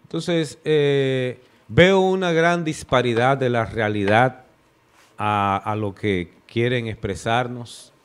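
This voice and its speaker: A man on a TV studio panel, giving measured political commentary into a desk mic. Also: mid-range voice, smooth. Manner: measured, deliberate, rhetorical. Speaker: panel guest. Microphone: desk microphone.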